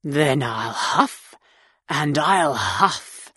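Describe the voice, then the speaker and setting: Here is a slow, low-pitched wolf who stretches out every threat, as a woman reader puts him on. He sounds menacing and sly. The recording is close and dry. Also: expressive, bright, forceful tone, slightly rough, dry recording, exaggerated voice. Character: big bad male wolf, slow and menacing.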